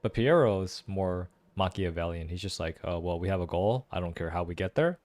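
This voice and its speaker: A man's voice: sits low, normal speed. A man giving exclamatory reaction commentary on a game story, musing aloud as a gaming content creator. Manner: animated, exclamatory, muses aloud.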